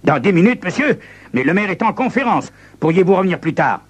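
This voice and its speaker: A man voicing a flustered male police lieutenant who is polite but quick to panic. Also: sits high, sing-song, breathy edge, pitched above the performer's own voice, heavily acted. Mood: officious.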